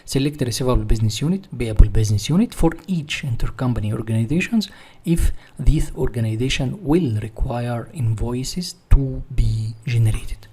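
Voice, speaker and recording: Husky man teaching software, non-native English. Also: mid-range voice. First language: not English. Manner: didactic, asks and answers own questions. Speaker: software tutorial instructor. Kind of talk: screen-share software walkthrough, part read from notes.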